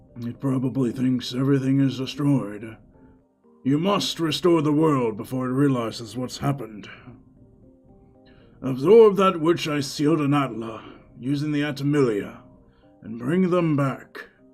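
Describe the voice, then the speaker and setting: Someone performs a put-on character voice at a moderate pace, leaving long, frequent pauses over faint music in the background. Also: man, medium pitch for a man. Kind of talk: video game dub acting. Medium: game stream. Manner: grave, sage-like.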